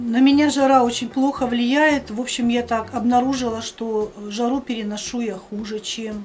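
With hardly any pauses, a woman talks at a high pitch in fairly even intonation while faint music plays in the background. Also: moderate pace. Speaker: home vlogger. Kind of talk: casual vlog chat. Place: home room. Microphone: camera far.

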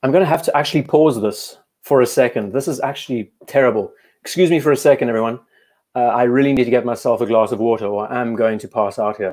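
On a very clean recording with a silent background, a man puts on a hoarse character voice at a medium pitch, talking at a very fast pace with ordinary pitch variation.

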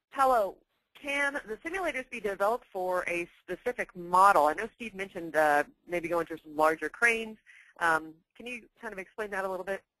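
Speaking at a fairly quick pace and medium pitch, a woman uses lively intonation and a bright, sharp tone, with big swings in loudness. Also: dry, close sound with no echo. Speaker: webinar host and editor. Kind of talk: webinar moderation.

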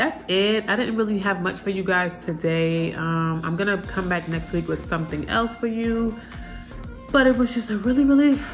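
A woman talks at a moderate pace while faint music plays in the background. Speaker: style vlogger. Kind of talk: casual vlog chat. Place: home room. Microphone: phone near.

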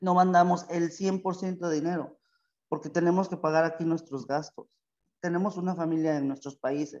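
Spoken with a Mexican accent at a fairly quick pace, the voice stays monotone and flat against a quiet background. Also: man, high pitch for a man. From Mexico. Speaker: migrant farm worker. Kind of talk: personal testimony at online press event. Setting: video call. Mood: earnest, aggrieved. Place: home room. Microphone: video call.

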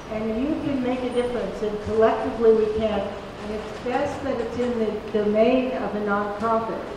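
A woman's fairly high, monotone voice at a moderate pace with hardly any pauses, under strong room echo and noticeable background noise. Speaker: election integrity activist. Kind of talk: conference panel talk. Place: meeting room.

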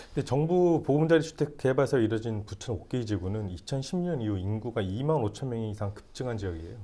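With a dark, mellow tone and lively intonation, a man speaks at a moderate pace with hardly any pauses. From South Korea. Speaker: journalist; reporter or commentator guest. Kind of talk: TV panel discussion. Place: studio.

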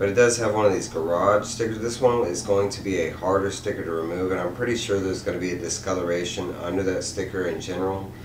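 Noticeable background noise behind very rapid talk, its intonation fairly even. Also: man, very deep, low pitch for a man. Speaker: comic collector. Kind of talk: tutorial. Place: home room. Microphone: camera far.

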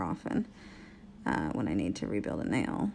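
On a very clean recording with a silent background, a woman speaks at a moderate pace with vocal fry. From Las Vegas, Nevada, US. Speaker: nail technician. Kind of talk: tutorial.

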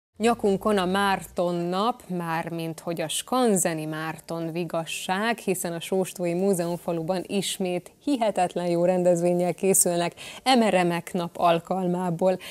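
A woman speaks at a fairly slow pace in a fairly low pitch, her intonation fairly even and hardly any pauses breaking it up. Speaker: TV magazine presenter. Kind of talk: TV magazine presenting. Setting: studio. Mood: cheerful, smiling. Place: studio. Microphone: lapel.

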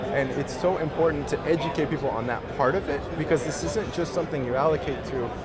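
A man with an American accent talks at a very fast pace, with hardly any pauses. Loud background noise runs behind him. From Texas (Galveston). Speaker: crypto research company founder. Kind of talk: event interview. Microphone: lapel.

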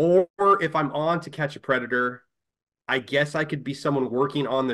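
Against a quiet background, a man with an American accent talks at a moderate pace, his fairly high voice bright and sharp in tone, his intonation fairly even. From US Pacific Northwest. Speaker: news-parody show co-host. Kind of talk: casual chat. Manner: joking. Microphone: video call.

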